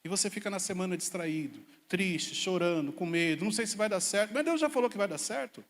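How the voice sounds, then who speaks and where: A man preaching a lively sermon as pastor to a church congregation, asking his listeners pointed rhetorical questions. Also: high voice, fairly quick. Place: church service hall. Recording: long hall reverb.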